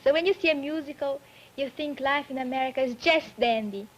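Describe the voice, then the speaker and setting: High-voiced Brazilian-accented teenage girl. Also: brisk, low-quality recording. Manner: lively, candid. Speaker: student panelist.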